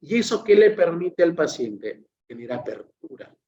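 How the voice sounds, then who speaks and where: A man's voice: fairly high pitch, big pitch swings, moderate pace, mellow, highs cut off. A man with a Peruvian Spanish accent giving a psychology lecture, chatty and digressive, acting out bits of dialogue between therapist and patient. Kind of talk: classroom lecture.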